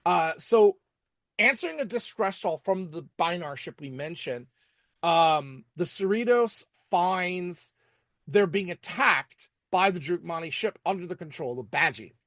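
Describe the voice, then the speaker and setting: A man with a slightly high voice talks through episodes as a podcast host. His delivery is conversational and halting, with repeated words. The sound is very dry, with no room echo. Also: lively intonation, a bit bright. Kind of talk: casual episode recap and commentary.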